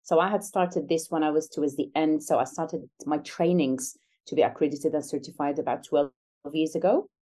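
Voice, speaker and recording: A middle-aged Algerian woman, appearing as an interview guest, talks reflectively and conversationally, growing earnest and emphatic about her work as a coach. Her voice sits low and mellow, at a normal speed.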